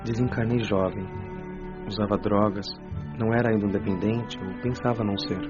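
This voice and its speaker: A man's voice: on the low side, steady tone, normal speed, muffled recording, music in the background, close to an everyday voice. A man voicing a remorseful young spirit. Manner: earnest, confessional storytelling. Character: young male spirit, remorseful former drug user. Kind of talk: radio drama acting.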